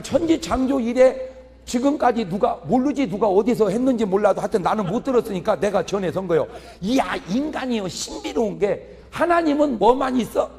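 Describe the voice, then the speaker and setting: High, lively joking preacher man. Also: big-room sound. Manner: animated, joking, chuckles through lines. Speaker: pastor. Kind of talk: humorous revival sermon.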